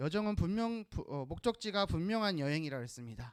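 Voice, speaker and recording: A man's voice, dry and close with no echo. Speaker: children's pastor. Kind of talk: sermon. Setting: online worship broadcast.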